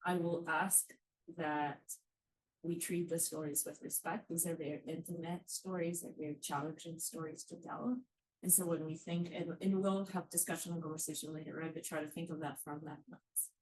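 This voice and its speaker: Slow, low-voiced woman moderator. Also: fairly even intonation, a little hiss or hum, rough recording. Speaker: panel moderator. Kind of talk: introducing a film screening.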